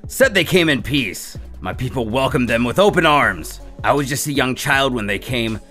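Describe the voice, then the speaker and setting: A man's voice: mid-range voice, lively intonation, normal speed, bright, forceful tone, soft background music. A man voicing a bitter, vengeful alien invader in a comic story, taunting and grandiose like a villain. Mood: bitter, grieving anger. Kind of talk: dramatic comic-book character acting.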